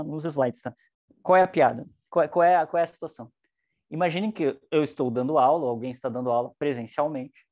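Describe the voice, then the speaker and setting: A man giving an online psychology lecture, lively and joking, with shifting intonation. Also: on the high side, highs cut off.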